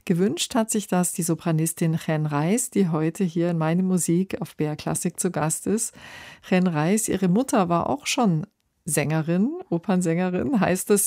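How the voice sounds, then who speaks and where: Woman radio host, warm dark tone, dry studio sound, polished delivery. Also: lowish voice, moderate pace, no echo. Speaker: radio classical music host. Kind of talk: radio interview.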